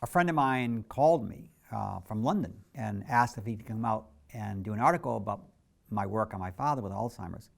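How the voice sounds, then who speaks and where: Middle-aged guy with a gravelly voice, talking candid and reflective for a documentary. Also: fairly low pitch, lively intonation, brisk. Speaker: photographer. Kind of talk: documentary interview narration.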